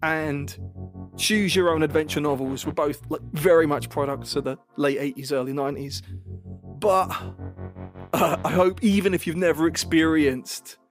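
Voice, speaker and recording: A British podcast host with a hoarse, raspy voice that sits a little high for a man. He talks in a loose, chatty, self-deprecating way, with plenty of fillers. Faint music plays underneath. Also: moderate pace. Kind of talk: casual outro talk.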